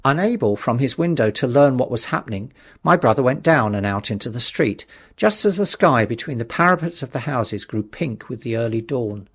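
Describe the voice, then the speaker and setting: A man reads a scripted literary story as an audiobook narrator. His pitch sits in the middle for a male voice. The delivery is measured, with a dramatic storyteller's phrasing. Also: animated, husky.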